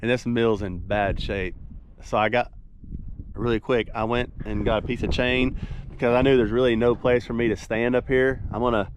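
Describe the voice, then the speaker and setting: A man's voice: medium pitch, fairly even intonation, moderate pace. A man, stuffy and nasal from a cold, chatting casually and rambling in a folksy way as he works on a windmill outdoors. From Oklahoma. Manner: rambling, folksy, self-deprecating. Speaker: windmill repairman. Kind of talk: casual vlog narration. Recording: noisy outdoor recording.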